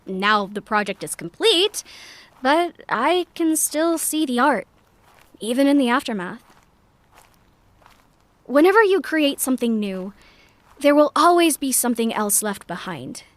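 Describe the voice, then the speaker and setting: A thoughtful young woman recording a guide to her emptied-out community for a sci-fi audio drama. Her voice sits on the high side, in a dry, close space. She talks conversationally and reflectively, with hesitant little asides. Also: expressive, a little slow, pauses often, no room sound. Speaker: narrator character. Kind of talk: audio drama monologue as a recorded walking tour.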